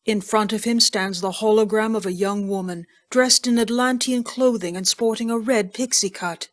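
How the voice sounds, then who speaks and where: A woman narrates an audio drama. Her voice sits at a medium pitch. She reads scene headings and actions from a script. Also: steady tone, moderate pace.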